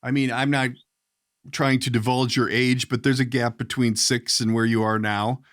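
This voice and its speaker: A man's voice: mid-range voice, little pitch movement, moderate pace, a bit bright. A man hosting a podcast, asking rambling, folksy questions in casual conversation. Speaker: podcast host, voice actor. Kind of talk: casual interview chat.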